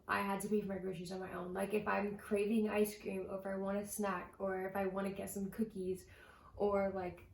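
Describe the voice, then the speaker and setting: A young woman chats casually to her camera, filling her talk with "like" and small restarts. Her voice has a gravelly fry at the ends of phrases. The room is echoey, with a faint background hum. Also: medium pitch. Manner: chatty, frequent "like" fillers. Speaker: vlogger.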